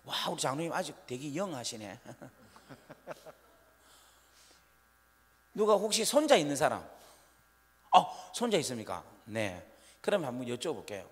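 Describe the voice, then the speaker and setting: A man preaching a revival sermon in a church, questioning the congregation and acting out scolding parents. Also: on the high side. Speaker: pastor. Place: church sanctuary. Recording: long church hall reverb.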